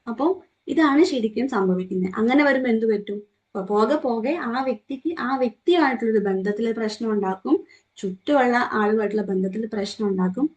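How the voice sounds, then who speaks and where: A woman's voice: a little high, darkish tone. A young woman with a Malayali accent leads a group training session, asking the listeners questions and acting out quoted remarks. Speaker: trainer leading a morning session. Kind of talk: interactive talk to a group.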